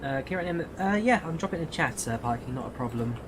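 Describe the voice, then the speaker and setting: Man, English accent, casual streamer chatter, thinks aloud, middle pitch, steady hum behind. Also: fast. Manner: chatty, thinks aloud, answers chat viewers. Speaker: flight simulator streamer. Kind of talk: casual live-stream commentary.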